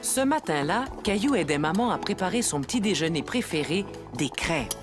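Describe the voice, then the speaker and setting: Expressive woman narrating a children's story. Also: lowish voice, normal speed, music in the background.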